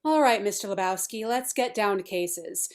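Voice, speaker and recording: A woman playing a brisk, haughty feminist artist in a script read, speaking in a formal, clinical, matter-of-fact way. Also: medium pitch, natural voice. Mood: businesslike, blunt. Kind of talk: table read of a film script.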